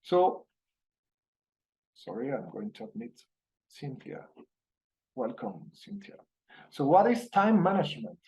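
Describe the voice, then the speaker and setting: Colombian man lecturing haltingly. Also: fairly high pitch, creaky, darkish tone, low-quality recording. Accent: Colombian Spanish. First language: Spanish. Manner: halting, many fillers and restarts. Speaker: university professor. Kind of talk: online masterclass lecture.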